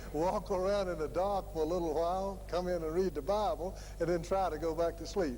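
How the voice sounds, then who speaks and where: Moderately paced speech from a man with an American accent, the room's echo clearly audible. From Virginia (Lynchburg). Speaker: stockbroker and guest speaker. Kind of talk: speech to an audience.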